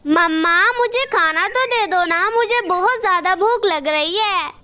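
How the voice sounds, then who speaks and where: Woman as a happy little crow boy in a cartoon, high and bright. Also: a little slow, exaggerated voice. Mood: excited. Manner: excited childlike talk. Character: young male crow child, eager and happy.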